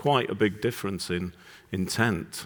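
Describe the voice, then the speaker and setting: A man's moderate pace is captured in a very clean recording with a silent background. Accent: Manchester. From northern England, Manchester. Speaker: industry analyst moderator. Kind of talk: panel discussion. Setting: stage with audience.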